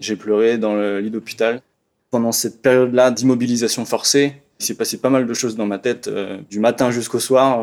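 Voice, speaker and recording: Medium pitch from a man, monotone and flat in intonation, at a moderate pace. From Brittany, France. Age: 20s. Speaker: adventurer. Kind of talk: interview.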